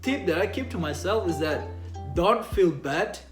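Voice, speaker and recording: A man's voice: high-pitched, expressive, measured pace, roomy sound, music in the background. A young man, a study abroad student chatting animatedly and laughing often in a casual Q&A. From Indonesia. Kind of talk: casual Q&A chat.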